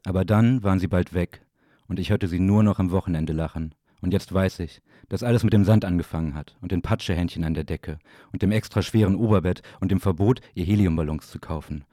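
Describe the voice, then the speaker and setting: Deep voiced guy doing a brooding spoken literary monologue, soft dark tone, super dry sound. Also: brisk, no room sound. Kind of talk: literary audio play monologue, dramatic recitation.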